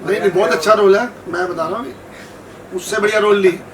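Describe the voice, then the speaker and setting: A man's voice: sits high, fast, a crowd in the background. A man who works as a filmmaker giving unscripted answers at a press event. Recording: distant mic, noisy room.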